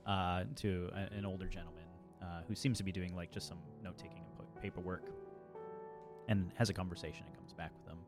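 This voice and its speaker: Casting: low-voiced man, game master, halting improvised narration, faint music behind. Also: level tone. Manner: halting, filler-heavy improvising.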